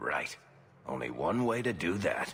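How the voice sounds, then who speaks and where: A man puts on a raspy character voice, pitched fairly low. He speaks at a moderate pace. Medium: video game. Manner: wry, dry.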